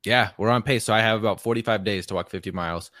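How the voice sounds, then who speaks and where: A man's voice: on the low side, quick pace, bright, forceful tone, no echo, studio quality. A man co-hosting a casual podcast, talking in a chatty, rambling way with lots of "like", on a handheld microphone. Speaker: podcast co-host.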